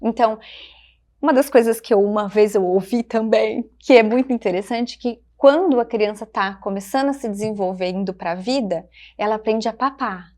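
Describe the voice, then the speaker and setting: A woman with a Brazilian Portuguese accent, a child development specialist speaking gently and reflectively in short phrases on a podcast. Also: fairly high pitch, moderate pace. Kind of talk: podcast conversation.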